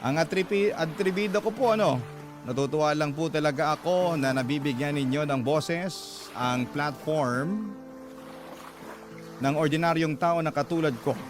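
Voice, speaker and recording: Campy older gay storyteller, played by a man, higher-pitched. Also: natural voice. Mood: playful, gushing. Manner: campy, playful gay slang. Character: vain, witty, dramatic older gay man telling his story. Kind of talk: first-person radio letter drama.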